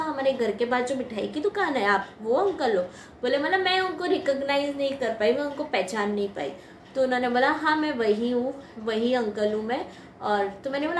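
Young woman, high-pitched and chatty, sharing a devotional anecdote, quick laughs, echoey room with a faint hum behind. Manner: chatty, laughs often, mixes English words. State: eight months pregnant. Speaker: devotional satsang storyteller. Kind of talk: casual spoken testimony to followers.

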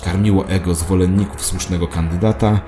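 A man's voice: low voice, fairly even intonation, brisk, natural voice. A man playing a paranoid, self-important conspiracy believer, telling his saga in a dramatic, confiding way as satirical audio drama narration. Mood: solemn, confiding. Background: music.

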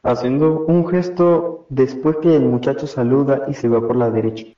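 A man's voice: medium pitch, fairly even intonation, normal speed, mellow. Young Argentine man narrating, roomy sound. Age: teenager or young adult. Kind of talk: reading stage directions. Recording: dull, roomy amateur recording.

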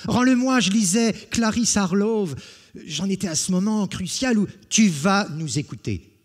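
A man voicing an aging male brigand who cares more for his book, pleading and shouting in shrill outbursts. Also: animated, measured pace, in a large hall. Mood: indignant. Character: aging male brigand, bookish, whiny and desperate.

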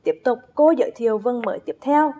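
Teaching phonics to first graders, this woman draws out her spelling drills, enunciates with slow care, and invites the children to read along with her. Her voice is a little high, expressive and warm, though the recording has its highs cut off.

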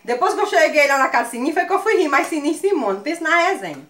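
A woman with a Northeastern Brazilian accent telling a funny story to her viewers, animated and laughing often. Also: high-pitched, very fast. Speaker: vlogger. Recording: echoey room sound.

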